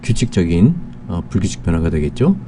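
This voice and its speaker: A man teaching an English grammar lesson in a slow, explanatory way, full of filler sounds and reading example sentences slowly. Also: low voice, sing-song, background noise.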